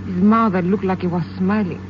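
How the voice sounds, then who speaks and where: An actress playing a frightened, injured young woman witness with a Mexican Spanish accent. She speaks in breathless, halting bits and is in pain. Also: mid-range voice, steady tone, close to an everyday voice. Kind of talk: 1950s radio acting. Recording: dull lo-fi old radio recording with hiss.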